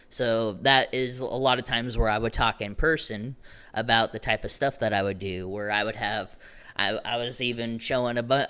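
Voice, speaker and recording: A man's voice: mid-range voice, pushed and bright, clear, resonant tone. A young man talking casually to a group, rambling and correcting himself, frank and a little profane. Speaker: meetup attendee introducing himself.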